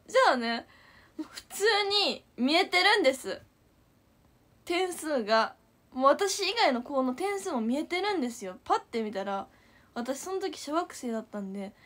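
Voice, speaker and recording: A young woman in her twenties with a Kansai accent, telling a story to viewers in an animated, giggly way. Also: high-pitched. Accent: Kansai Japanese. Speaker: idol livestreamer.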